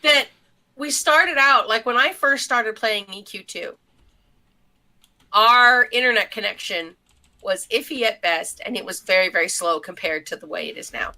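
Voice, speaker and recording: A woman's voice: on the high side, normal speed, sharp tone. A middle-aged woman co-hosting a podcast, chatting casually and reminiscing. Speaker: podcast co-host.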